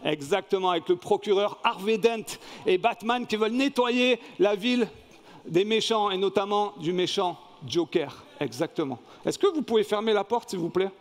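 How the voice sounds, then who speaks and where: High-voiced man preaching in a reverberant church. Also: normal speed. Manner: lively, asks the congregation questions. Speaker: pastor. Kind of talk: sermon with a film quiz. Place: church hall. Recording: long reverb in a church hall.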